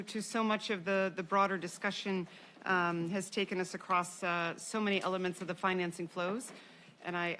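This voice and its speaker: A woman moderating a panel discussion, speaking in a halting way with frequent pauses and restarts. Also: lowish voice, fairly bright tone, slight background noise.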